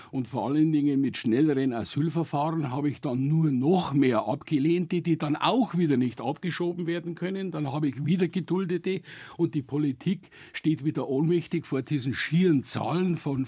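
A man's voice: a little high, mellow, husky, dry recording. A middle-aged man, a longtime refugee volunteer, criticising policy bluntly as a studio guest and often stumbling and correcting himself. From Germany. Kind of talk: studio radio discussion. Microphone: studio microphone.

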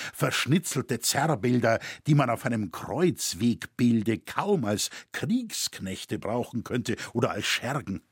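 Man reading old woodcarver, boastful, sharp-tongued, husky voice, animated. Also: mid-range voice, no echo, studio quality, full character voice.

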